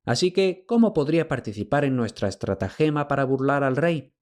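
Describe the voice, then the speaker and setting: A man's voice: medium pitch, animated, fairly quick, a little mellow, voice pushed up, natural voice. A man voicing a queen in hiding who speaks with urgency and pleads with her husband. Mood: urgent.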